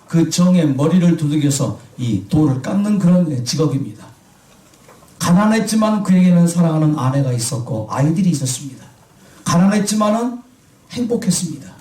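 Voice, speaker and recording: Male pastor, fairly high voice, questioning the congregation, recorded from a distance in a reverberant hall. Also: expressive, a little fast, dark tone. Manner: asks the congregation questions and answers himself. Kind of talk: sermon.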